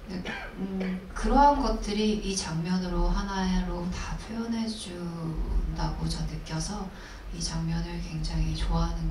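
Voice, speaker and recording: A woman answering questions on stage at a film screening Q&A, speaking thoughtfully with pauses and fillers. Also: on the low side. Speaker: actress at a film Q&A. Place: cinema hall with audience. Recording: echoey cinema hall from far off, noisy.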